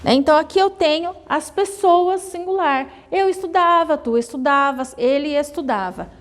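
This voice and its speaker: A long reverb tail trails the high voice of this Brazilian Portuguese teacher. Speaking with a Brazilian Portuguese accent, she teaches grammar step by step, going slowly, repeating, and checking in with "né?" and "tá?".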